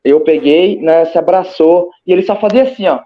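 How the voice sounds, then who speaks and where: A Brazilian man tells his own story as an interview guest in a casual, halting way. His voice sits high for a man, and he stumbles and repeats words as he acts things out. The audio is a little dull and lo-fi. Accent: Brazilian Portuguese. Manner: hesitant, repeats words, re-enacts with gestures. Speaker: interview guest recounting a near-death experience. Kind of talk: casual personal testimony. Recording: slightly muffled lo-fi audio.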